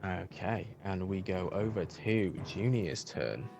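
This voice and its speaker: A man acting as dungeon master, calmly narrating a tabletop game and talking through rolls and moves. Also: sits low, slow pace, creaky, muffled recording, over music.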